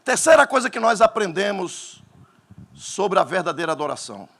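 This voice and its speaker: A man with a Northeastern Brazilian accent preaching a sermon as pastor, animated and breaking into shouts. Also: sits high, normal speed.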